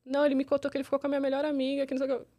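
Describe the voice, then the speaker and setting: A woman, a rideshare driver telling stories in a slangy, animated way on a casual podcast. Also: high-pitched. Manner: animated, slangy, quick storyteller.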